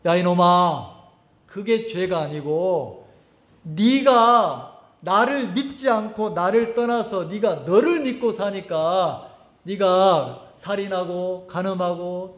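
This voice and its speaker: A man's voice: sits high, voice pushed down. A man voicing the Holy Spirit, bluntly scolding. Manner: blunt, rebuking, listing sins. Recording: echoey hall.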